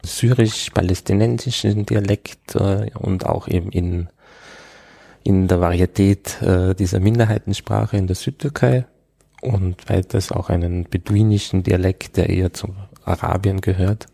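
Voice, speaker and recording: Deep, gravelly man, hesitant. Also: fairly even intonation, a little slow, mellow, dry recording. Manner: thoughtful, hesitant with frequent fillers. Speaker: interviewee, Arabic scholar. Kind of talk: conversational interview.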